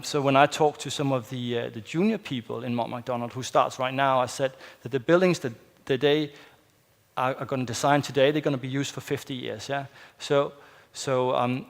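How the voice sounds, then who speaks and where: Danish man speaking in a reverberant hall. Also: medium pitch. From Denmark. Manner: hesitant, many fillers, tag question "yeah?". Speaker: conference speaker. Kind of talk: conference talk. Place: large hotel conference hall stage. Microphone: headset or lapel mic, far camera.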